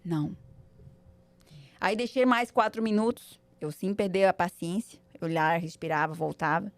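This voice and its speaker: A woman guest on a podcast, telling a family story in an animated way and acting out the dialogue. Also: on the low side, normal speed. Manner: animated, acts out quoted dialogue. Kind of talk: casual storytelling.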